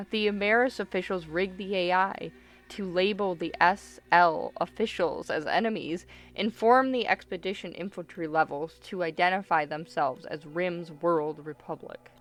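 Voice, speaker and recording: A woman's voice: on the low side, normal speed, soft background music, close to an everyday voice. A woman playing a ruthless, impatient doctor leading an interrogation in a radio play, clipped and commanding.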